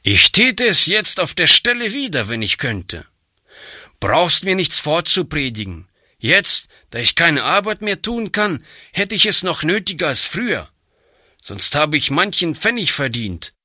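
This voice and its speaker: A man's voice: fairly high pitch, very animated, measured pace, sharp tone, no echo, clean studio sound, voice pushed up, full character voice. A man reading a storybook aloud, voicing a surly, defiant one-legged boy who grumbles bitterly. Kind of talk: audiobook reading.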